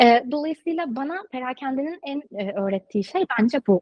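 A woman is talking. Her pace is moderate. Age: 20s. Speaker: tech retail product specialist. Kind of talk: interview.

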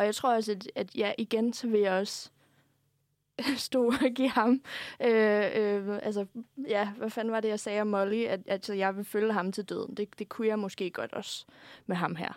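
A plain, everyday voice with fairly even intonation. The recording is very clean and dry, close with no echo, over a silent background. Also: woman, fairly high pitch for a woman, fairly slow pace. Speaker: podcast host.

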